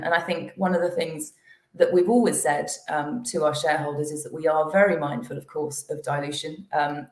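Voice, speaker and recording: A woman executive presenting company results to investors and answering questions, hesitant with many fillers, a little hoarse from losing her voice. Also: sits low, reverberant.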